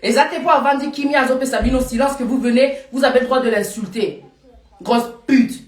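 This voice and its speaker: A woman's voice: high-pitched, fast talker, reverberant, recorded from a distance. A woman live-streaming to her followers in Paris, talking casually and emphatically, repeating her points for force. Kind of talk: casual live chat, mixing French and Lingala.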